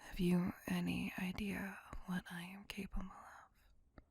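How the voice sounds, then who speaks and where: A woman voicing a tormented, possessive female vampire centuries old, whispering slowly and intimately into a close microphone in an ASMR roleplay. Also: on the low side, monotone, gravelly, husky, no echo, full character voice. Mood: brooding menace. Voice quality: whispered throughout. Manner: slow, brooding, intimate.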